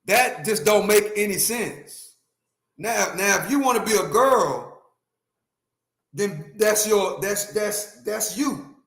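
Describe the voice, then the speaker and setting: Speaking slowly in a roomy space, this fifty-something livestream host has a high, gravelly, fairly bright voice with an animated delivery. He hammers home his opinions in an emphatic rant, circling back to the same points and talking straight to his chat.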